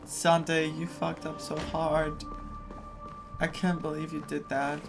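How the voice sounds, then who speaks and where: A man's voice: fairly high pitch, monotone, takes it slowly, gravelly, music in the background. A man doing casual gameplay reaction commentary, muttering to himself and to the game as he plays. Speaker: game streamer.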